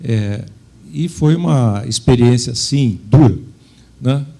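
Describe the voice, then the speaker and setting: The man's voice sits at a medium pitch with a dark, mellow tone. He speaks at a very slow pace with ordinary pitch variation. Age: 60s. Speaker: company executive. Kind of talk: interview on stage. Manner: halting.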